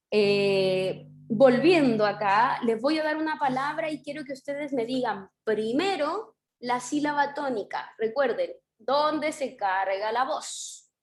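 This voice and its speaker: A woman's voice: high-pitched, roomy sound. A woman teaching an online primary class with a Chilean accent, patient and encouraging, stretching out syllables as she explains. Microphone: video call.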